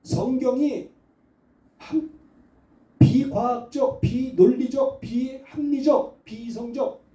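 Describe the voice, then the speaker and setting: Male pastor, middle-aged, high voice with a dark, mellow tone, chatty storytelling sermon, roomy church sound picked up from a distance. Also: steady tone, takes it slowly. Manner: conversational storytelling, building to fervent exhortation. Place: church sanctuary. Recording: echoey church hall, mic at a distance.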